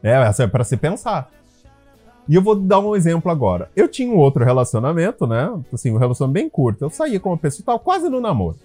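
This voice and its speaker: A man with a mellow, warm voice tells stories in a chatty monologue, his pitch leaping around as he acts out other people's lines. He throws in frequent tag questions and addresses the listener directly. Faint music plays underneath. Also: fast talker. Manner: lively, acts out quoted voices with big pitch jumps; conversational, many tag questions and fillers. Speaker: relationship and couples wellness speaker. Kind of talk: casual storytelling monologue to listeners.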